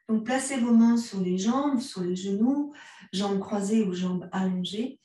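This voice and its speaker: Woman, French accent, yoga teacher, slow unhurried cues, mellow tone, very echoey room, distant from the mic. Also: mid-range voice. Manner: calm, gentle cues, mixes vous and tu. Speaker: yoga instructor. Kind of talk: guided yoga class instruction.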